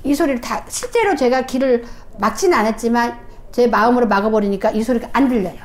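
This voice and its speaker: A woman shaman telling her story in an interview, animated and acting out the voices she quotes. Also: on the high side, fast.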